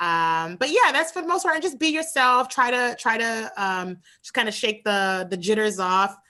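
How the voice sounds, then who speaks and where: The voice has a bright, sharp tone at a moderate pace, recorded very cleanly against a silent background. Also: woman. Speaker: media company recruiter. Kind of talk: panel discussion.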